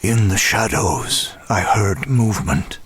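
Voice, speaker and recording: A man playing a broken, self-loathing demon who narrates a horror audio drama in a grave, measured way. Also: lowish voice, animated, a bit bright, slight background noise. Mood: weary anguish. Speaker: first-person narrator.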